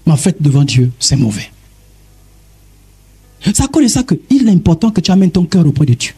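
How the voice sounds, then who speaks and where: A man preaching a sermon, emphatic and addressing listeners directly, with a husky voice. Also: fairly high pitch, sing-song, moderate pace, warm tone. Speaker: pastor.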